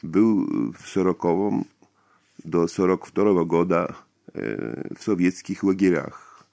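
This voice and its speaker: A man's voice: sits low, animated, slow, creaky, mellow. A man in his fifties, a native Polish speaker with a Polish accent, answering interview questions hesitantly with many fillers and restarts. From Poland. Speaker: interview guest, writer.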